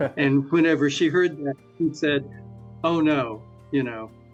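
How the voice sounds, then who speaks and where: Music plays behind a man whose voice sits fairly high as he speaks at a fairly slow pace. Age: 70s. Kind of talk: interview answer.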